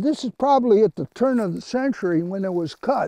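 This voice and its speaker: The speech has lively intonation and a dry, close sound with no echo. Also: man. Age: 90s. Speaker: off-grid farmer. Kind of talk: casual chat.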